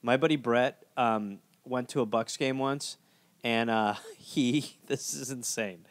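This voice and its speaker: A man's voice: mid-range voice, slow pace, dry recording. A man co-hosting a comedy podcast, riffing in loose, profane, laughing banter and telling a rambling story.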